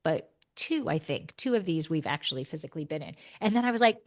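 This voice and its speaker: A woman with a New Jersey accent hosting a casual podcast chat, reading reviews aloud in a halting way and laughing often. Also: low voice, animated. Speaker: podcast host.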